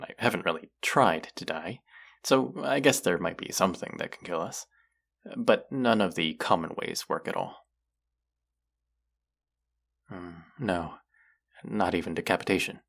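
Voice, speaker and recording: Man playing a low, creaky-voiced gentle immortal. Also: full character voice. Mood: reassuring, wry. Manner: hesitant, confessional, softly reassuring. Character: thousand-year-old secretly immortal man, gentle, earnest, wry confidant. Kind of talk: intimate scripted audio roleplay.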